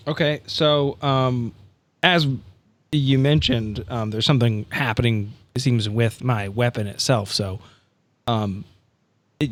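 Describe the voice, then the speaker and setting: A man's voice: medium pitch, slow, no room sound. A man playing a tabletop role-playing game, chatting casually and hesitantly as he thinks his moves through, swearing now and then.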